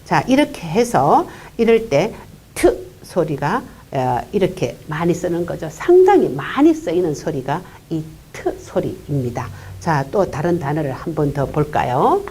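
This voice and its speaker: Woman, English pronunciation teacher. Low, dark voice with a lively melody. Patient lecturing with many fillers. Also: breathy edge. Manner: unhurried explaining with frequent "uh" fillers; quietly voices single consonant sounds. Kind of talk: classroom-style pronunciation lecture.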